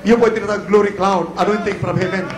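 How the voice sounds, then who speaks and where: A Filipino man preaching a fiery sermon as pastor, breaking into shouted exclamations. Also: sits high, fairly even intonation, fast, roomy sound, background noise.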